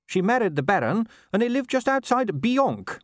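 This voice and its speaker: A man voicing a high-pitched genteel society wife. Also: big pitch swings, moderate pace, dry recording, studio quality. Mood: breezy, gossipy. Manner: chatty, gushing, upper-class turns of phrase. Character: genteel aristocratic middle-aged wife, breezy, fondly reassuring. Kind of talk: audiobook character voice.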